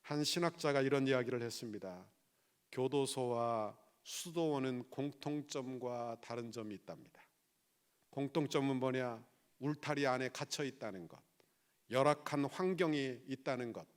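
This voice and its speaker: A man's voice: medium pitch, clear, resonant tone. A male pastor preaching a sermon, asking the congregation questions and rising to emphatic exclamations.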